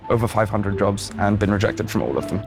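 A man's voice: fairly low pitch, a little fast, creaky, a little mellow. A young man in his twenties, an interviewee talking about job hunting in an earnest, frustrated way. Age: 20s. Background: music.

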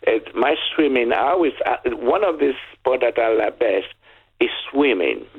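Older nigerian man, yoruba first language, lively storytelling, husky voice, tinny phone line. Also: medium pitch, moderate pace. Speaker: caller. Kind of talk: phone-in chat. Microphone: telephone.

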